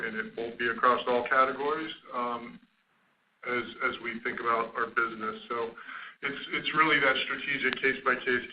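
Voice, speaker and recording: Flat-toned male executive on muffled line. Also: medium pitch. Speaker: company finance executive. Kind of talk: answering questions on an earnings call. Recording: muffled, noisy conference phone line.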